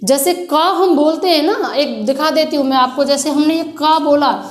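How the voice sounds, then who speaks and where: A woman's voice: sits high, moderate pace, roomy sound. A woman teacher patiently explaining Hindi grammar for an exam, calling her students children and mixing in English words. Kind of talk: exam-prep grammar lesson.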